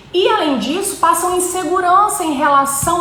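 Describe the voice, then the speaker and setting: A woman with a Minas Gerais accent speaks at a fairly slow pace. Audible room echo and noticeable background noise surround her voice. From Minas Gerais, Brazil. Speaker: academic coach / professor. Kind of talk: live stream talk. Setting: Instagram live.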